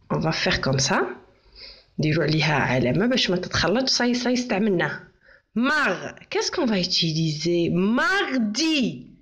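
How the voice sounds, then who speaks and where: A woman's voice: medium pitch, fairly bright tone. A woman with an Algerian accent teaching French handwriting, dictating letters and syllables one by one and switching into Algerian Arabic for instructions. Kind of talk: slow, deliberate French handwriting lesson.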